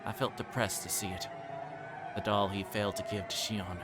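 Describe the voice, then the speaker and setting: A man's voice: lowish voice, little pitch movement, moderate pace, heavy background noise. A man streaming a game, reading its narration aloud in a dramatic way, with game music behind him.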